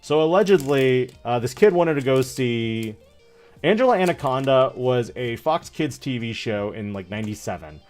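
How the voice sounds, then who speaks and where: A man in his thirties chatting casually on a livestream, rambling and joking in an animated way as he tells stories. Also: mid-range voice, moderate pace, soft background music. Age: 30s. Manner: rambling, animated, jokey storytelling. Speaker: streamer opening trading card packs.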